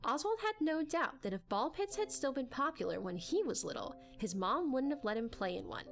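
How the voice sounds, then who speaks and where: A woman narrating a story as an expressive dramatic audiobook reading. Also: high voice, a little fast, vocal fry, faint music behind.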